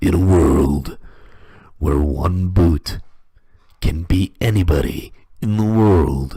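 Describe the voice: In a put-on character voice with a dramatic tone, the speaker goes at a very slow pace, stopping often for long pauses. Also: man, very deep, low pitch for a man.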